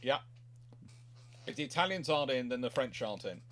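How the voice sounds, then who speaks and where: Guy doing a casual live history q&a, middling pitch, rambles and restarts a lot. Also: animated, a little fast, fairly bright tone. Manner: rambling, stumbling and repeating himself. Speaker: naval history livestream host. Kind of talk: casual live question-and-answer commentary.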